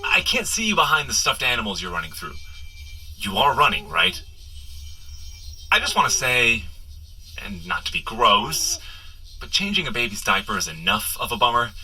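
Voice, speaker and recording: A man's voice: medium pitch, huge pitch swings, moderate pace, pauses often, pushed and bright, soft background music, heavily acted, poor audio. A man playing a bumbling, good-hearted superhero in a comedy audio drama, coaching the listener with nervous, apologetic, rambling chatter. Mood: nervous, encouraging. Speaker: actor playing a superhero guide.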